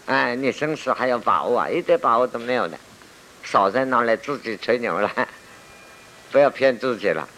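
Animated man giving a Buddhist lecture. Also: medium pitch, moderate pace, a little hiss or hum. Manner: lively storytelling, acting out exclamations and scolding. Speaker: Buddhist teacher. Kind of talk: spoken Buddhist lecture to a seated audience. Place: lecture room with listeners.

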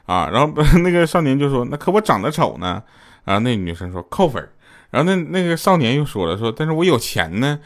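A man's voice: medium pitch, sing-song, fast. A man, casually telling jokes and funny stories to his audience, laughing often and acting out dialogue in raised voices. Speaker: livestream host telling jokes. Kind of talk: casual comic storytelling. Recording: loud background noise with clicks.

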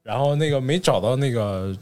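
A man's voice: mid-range voice, expressive, normal speed, darkish tone, clear, resonant tone. Teasing, laughing man in banter. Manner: teasing, laughs easily, tells anecdotes. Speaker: podcast co-host. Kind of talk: casual chat.

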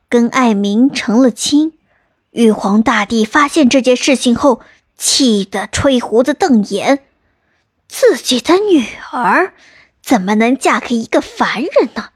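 A woman narrating a myth in a slow, gentle, clear storybook style. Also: on the high side, dry recording, studio quality.

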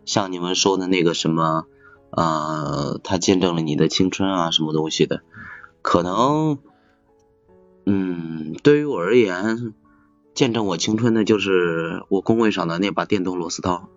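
A man in casual chat, talking haltingly and often repeating his phrases. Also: sits low, dry recording. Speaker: podcast speaker, factory assembly worker. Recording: slightly dull, music behind. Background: music.

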